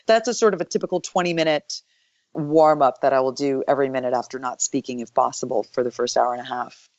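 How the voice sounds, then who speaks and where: Low-voiced woman with a deep morning voice. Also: fast, dry recording, dull audio. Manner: thoughtful, explanatory, with soft laughs. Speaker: voice actor guest. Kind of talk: interview answers.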